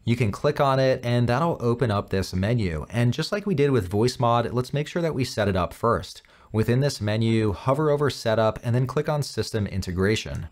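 A man presents a software tutorial in a mid-pitched voice. He guides the listener step by step, with conversational, instructional phrasing. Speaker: tutorial host.

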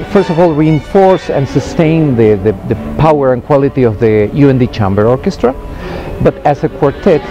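Middle-aged man, muffled, music behind him. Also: medium pitch. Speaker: university music director. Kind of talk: interview talk to camera. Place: outdoors on a campus lawn.

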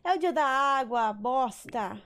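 A woman's voice: high voice, lively intonation, slow, fairly bright tone, clear, resonant tone. A young woman streaming a life-sim game, chatting casually with viewers and telling stories, swearing now and then. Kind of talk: casual gameplay chat with viewers. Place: small bedroom streaming setup, indoors. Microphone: headset mic on webcam stream.

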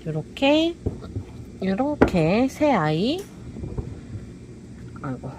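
A woman's voice: medium pitch, very animated, very slow, heavy background noise. A woman selling flower pots, walking viewers through each set with cheerful, coaxing praise. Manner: cheerful, coaxing, keeps asking "pretty, right?". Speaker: pot shop seller. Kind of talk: product showcase talk. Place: indoor pot shop.

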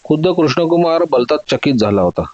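A man narrating a detective story in a steady, dramatic reading. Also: a little high, brisk, dry recording, highs cut off.

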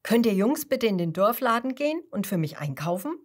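A woman's voice: medium pitch, very animated, fairly quick, voice pushed up. A woman doing a kind old grandma. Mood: asking. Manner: polite, asking. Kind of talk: storytelling for small children.

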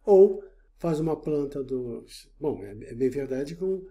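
A man's voice: a little high, expressive, warm tone. A man lecturing in a casual explanatory style, who talks right to the viewer, checks in often, and repeats words as he looks for the next one. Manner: talks directly to the viewer with frequent check-ins and rephrasings; halting, repeats words while searching for the next.

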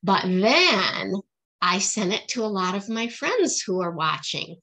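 A woman's voice: medium pitch, big pitch swings, a little slow, bright, forceful tone, rough recording. A middle-aged woman, a guest author, chatting casually and answering questions in simple, explanatory phrases for children over a video call. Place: small indoor room at home. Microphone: computer mic on a video call.

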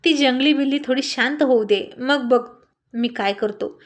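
A woman's voice: high-pitched, unhurried. A woman reading the lines of a smug, scheming young male prankster. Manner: smug, sly.

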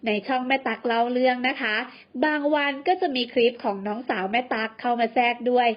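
A woman narrating a bedtime story in a lively, dramatic reading. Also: a little high, fairly quick, lo-fi sound.

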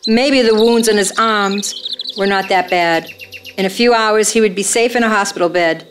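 A woman's voice: mid-range voice, moderate pace, noisy background. A woman reading scripted radio play narration on stage in a dramatic storytelling manner. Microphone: stand microphone.

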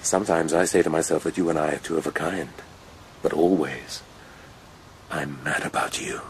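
An actor playing a pompous, amorous colonel in a radio drama, wooing ardently with breathy murmurs. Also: male voice, extremely low pitch, normal speed, slight background noise. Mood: ardent, urgent. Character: smug, amorous colonel and nobleman, ardent would-be seducer. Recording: radio play with clear background ambience.

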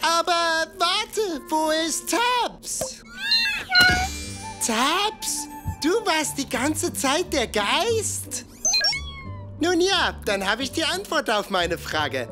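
A young cartoon boy explorer, eager and full of wonder. The voice is high and very lively, yet unhurried in pace. He speaks to young viewers over prominent music. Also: heavily acted. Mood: wondering, cheerful. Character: cheerful, curious cartoon boy explorer, eager and wide-eyed. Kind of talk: animated children's show dialogue. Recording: music behind the voice.

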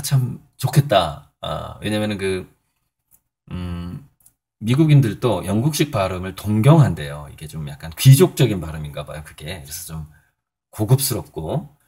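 A middle-aged man with a low, husky voice chats through his morning. He talks in a loose, rambling way, pausing on fillers and chuckling now and then. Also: darkish tone. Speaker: painter and channel host. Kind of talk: casual morning vlog talk.

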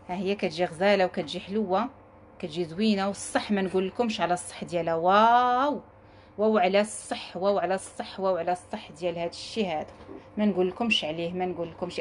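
A woman with a Moroccan accent giving a live sales pitch from her jewelry shop, coaxing viewers and repeating herself as she talks to her staff. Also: a little hiss or hum. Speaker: jewelry seller.

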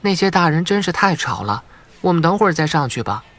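Man acting little girl of ten, polite, precocious, raised pitch, audiobook. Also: sing-song, fairly quick, a bit bright, full character voice. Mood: precocious complaint. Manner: little-grown-up, childlike.

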